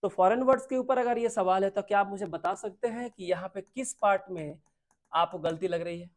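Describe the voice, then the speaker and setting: Indian man teaching grammar, quizzing students. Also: sits high. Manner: explains slowly, repeats points, quizzes students with questions; reads English sentences word by word, slowly. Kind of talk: exam-prep English grammar lesson.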